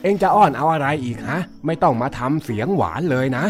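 A man voicing a gruff, exasperated old village uncle who scolds and teases a boy. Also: a little high, animated, a little fast, darkish tone, lightly acted. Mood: teasing. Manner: scolding, grumbling, teasing. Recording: music bed underneath.

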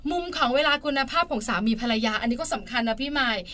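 A woman hosts a relaxed podcast with a high, bright voice. She keeps the talk moving with questions and chatty agreement. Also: fast talker. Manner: chatty, affirming, asks questions. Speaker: podcast host. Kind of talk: casual podcast chat.

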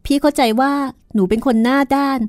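A woman's voice: high voice, steady tone, a little fast, a little mellow, pitched above the performer's own voice, natural voice. A woman doing a haughty, sarcastic older sister. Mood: scornful.

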